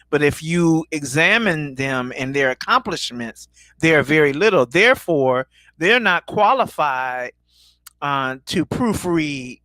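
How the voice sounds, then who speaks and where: A man co-hosts a casual podcast, speaking in a measured, thoughtful way with frequent fillers. His voice is bright and fairly high, and it is recorded dry and close. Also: no echo.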